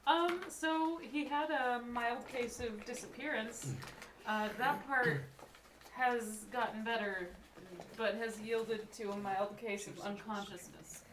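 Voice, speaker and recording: A woman's voice: on the high side, slow pace, noisy background. Dry-witted woman, distant and echoey. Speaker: player. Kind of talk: casual tabletop game chat. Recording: echoey, from off the mic.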